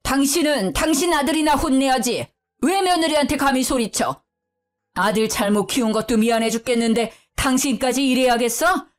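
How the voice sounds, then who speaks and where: Woman voicing a stern older father-in-law, shouts then goes low and gentle, over faint music. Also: lively intonation, unhurried. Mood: furious.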